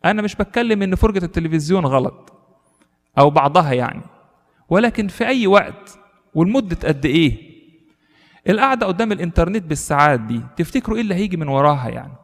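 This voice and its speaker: A man's voice: fairly high pitch, expressive, fast, long reverb tail. A man with an Egyptian accent preaching a sermon to a congregation, emphatic and exhorting. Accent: Egyptian Arabic. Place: church.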